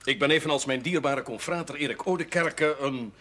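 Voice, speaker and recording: An actor playing a witty, courteous and slightly frivolous Catholic curate in a television drama, with flowery phrasing. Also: male voice, fairly high pitch, a little fast, sharp tone, slight background noise. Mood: wry, theatrical. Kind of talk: 1970s television drama acting.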